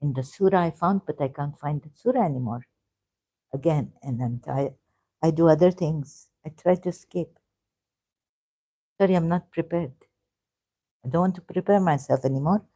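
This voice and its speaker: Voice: medium pitch, normal speed, long pauses, warm tone. A vlogger talking in an unscripted monologue about religious texts, rambling and hesitant, often stopping and restarting and asking rhetorical questions.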